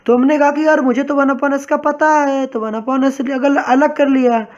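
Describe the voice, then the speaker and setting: A man's voice: very high voice, flat delivery, moderate pace. A man teaching math in a recorded online lecture. He talks in a chatty way, keeps asking whether the viewer has understood, and calls the viewer brother. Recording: dull lo-fi recording.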